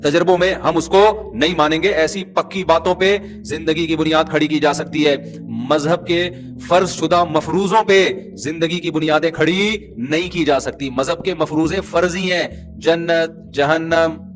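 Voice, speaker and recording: Animated man preaching a lively sermon. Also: a little high, faint music behind. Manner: animated, rhetorical, teasing the audience. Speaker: Islamic preacher. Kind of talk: conversational sermon.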